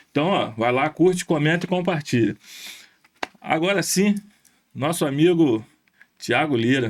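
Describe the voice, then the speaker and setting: A fairly high-pitched man at a moderate pace, lively in intonation, with long, frequent pauses. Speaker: podcast host. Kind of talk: giveaway promo; podcast interview.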